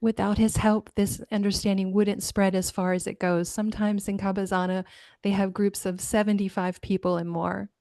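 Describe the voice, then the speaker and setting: A woman hosts a webinar over a video call, introducing speakers in a measured way. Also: mid-range voice, level tone, darkish tone, no echo, studio quality. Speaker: webinar host.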